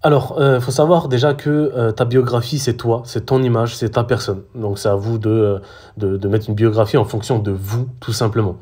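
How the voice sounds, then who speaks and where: A man's voice: mid-range voice, fairly even intonation, moderate pace, dark tone, breathy edge. A man from France, giving a casual social media tutorial with lots of fillers and restarts. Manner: hesitant, many fillers and restarts. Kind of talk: casual screen-recorded tutorial.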